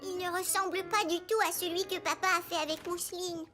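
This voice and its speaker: An actor voicing an earnest, excitable little boy in a cartoon, with simple childlike phrasing. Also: very high-pitched, a little fast, music in the background. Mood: worried. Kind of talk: cartoon dub dialogue.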